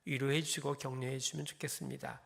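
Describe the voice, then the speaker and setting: A man's voice: medium pitch, flat delivery, quick pace, vocal fry. A man, a pastor leading the congregation in a church, calling out greetings and introducing the preacher.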